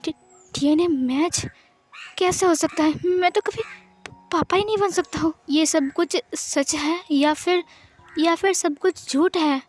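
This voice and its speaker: A woman's voice: very high-pitched, measured pace, faint music behind. A woman voicing a shaken man who stammers in disbelief, reading it in her own storytelling voice. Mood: shocked. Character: shaken man, a stunned father.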